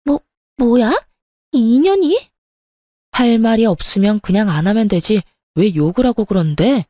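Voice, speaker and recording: A woman's voice: normal speed, mellow, no room sound, studio quality, natural voice. A woman voicing a rude, hot-tempered young sister-in-law who curses and mocks. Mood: furious. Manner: shrill, cursing, scornful.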